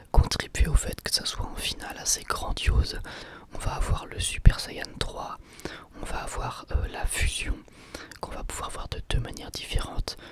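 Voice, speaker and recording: A man hosting a whispered ASMR video, calmly answering viewer questions in a thoughtful, explanatory way. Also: medium pitch. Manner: soft-spoken, thoughtful and explanatory. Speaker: ASMR channel host.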